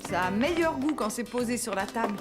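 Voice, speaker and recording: A woman's voice: a little high, lively intonation, fairly quick, music in the background, natural voice. A woman as a soothing cartoon mom. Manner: soothing, motherly. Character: caring young mother, patient and soft. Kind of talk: French cartoon dubbing.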